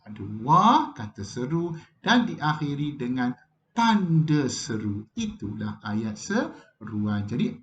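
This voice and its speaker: A man's voice: medium pitch, big pitch swings, takes it slowly, lo-fi sound, slight background noise. A man with a Malaysian accent, a primary school teacher giving a recorded lesson and coaxing his young pupils directly.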